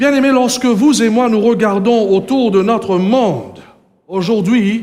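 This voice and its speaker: Room echo is audible around the voice. A man talks at a fairly slow pace. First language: English (speaking French). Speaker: preacher. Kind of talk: sermon.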